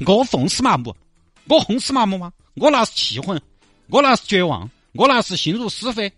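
A man's voice: sits high, very animated, brisk, a bit bright, dry recording, soft background music, pitched above the performer's own voice, exaggerated voice. A man voicing a hysterical young woman, a melodramatic girlfriend with a Sichuanese accent who complains in a whiny, theatrical way.

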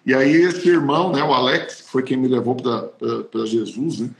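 A man's voice: medium pitch, fairly even intonation, normal speed, vocal fry. A man, a pastor, telling a personal testimony in an emotional, emphatic way. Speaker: pastor and podcast host. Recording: roomy echo.

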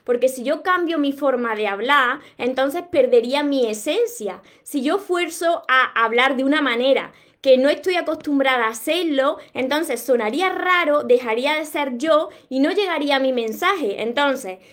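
A woman's voice: high voice, expressive, moderate pace, hardly any pauses, fairly bright tone. A woman from Córdoba with an Andalusian accent, giving an earnest, encouraging motivational talk to her viewers on a live stream. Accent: Andalusian Spanish. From Córdoba, Andalusia, Spain. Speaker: motivational content creator and author.

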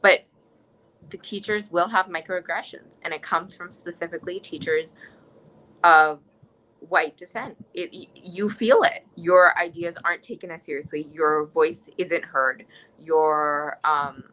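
A woman's voice: fairly low pitch, a little slow, sharp tone, rough recording. A young woman from the United States speaking in an interview, earnest and impassioned, often restarting her sentences. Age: young adult. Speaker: interviewee, student. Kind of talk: conversational interview.

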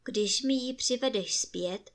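A woman voicing a sorrowful king in a storybook reading, slow and solemn. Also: on the high side, close to an everyday voice. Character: sorrowful old king, dignified.

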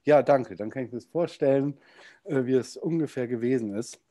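Male interviewer, halting and filler-heavy, mellow tone, dry close sound. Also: mid-range voice, no room sound. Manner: hesitant, many fillers and restarts. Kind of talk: casual interview.

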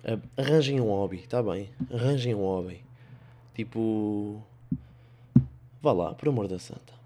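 Young man, European Portuguese accent, lowish voice, sarcastic, rambling, podcast storytelling. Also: unhurried, mellow. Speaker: podcast host. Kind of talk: comic storytelling monologue.

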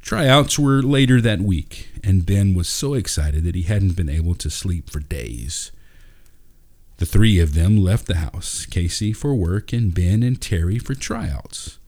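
Male narrator for short fiction; low-pitched voice, scripted storytelling delivery. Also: expressive, unhurried, a little mellow.

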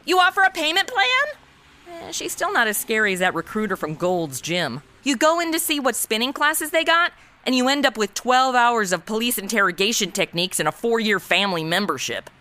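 Casting: flippant modern young woman played by an actress, lively swooping delivery, bright tone, wisecracking audio-comedy sleuth. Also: a little high, fairly quick. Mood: breezy, distracted. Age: 20s. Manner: sarcastic, breezy, easily sidetracked. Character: flippant modern twenty-something woman playing amateur detective. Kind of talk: comedy audio drama, wisecracking first-person narration.

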